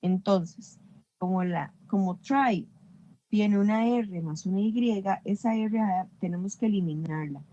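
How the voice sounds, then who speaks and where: A woman's voice: mid-range voice, unhurried, dark tone, dry recording, muffled recording. A woman teaching an English grammar class online, explaining patiently and often checking understanding.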